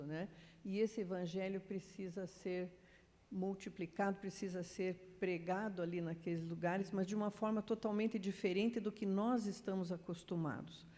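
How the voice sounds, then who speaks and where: Relaxed Curitiba woman in a church hall. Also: on the low side. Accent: Curitiba Brazilian Portuguese. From Curitiba, Brazil. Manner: relaxed, chatty, fumbling with slides. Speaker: guest missionary speaker. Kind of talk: church mission talk. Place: church sanctuary. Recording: hall reverb, faint noise, from the mic.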